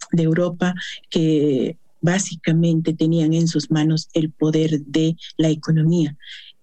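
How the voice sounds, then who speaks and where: A woman with an Andean accent, very slow, in a very deep, low pitch with a dark, mellow tone and monotone, flat intonation. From Bolivia, Lake Titicaca region. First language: Aymara (speaking Spanish). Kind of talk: interview.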